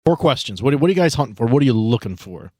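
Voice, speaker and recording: A man's voice: mid-range voice, sing-song, rapid-fire, darkish tone, dry recording. A man narrating as game master of a tabletop game, describing scenes casually with asides and restarts.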